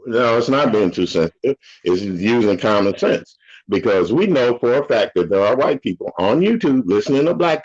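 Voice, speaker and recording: An older man in casual conversation, an opinionated, rambling storyteller from the United States. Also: lowish voice. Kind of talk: casual chat. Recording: dull lo-fi audio.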